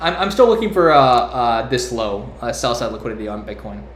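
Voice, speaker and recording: A male speaker at a fairly quick pace, with noticeable background noise. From Eastern Canada. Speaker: day trader streaming live trades. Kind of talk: live trading stream with chat Q&A. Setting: live stream. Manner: casual, frequent fillers.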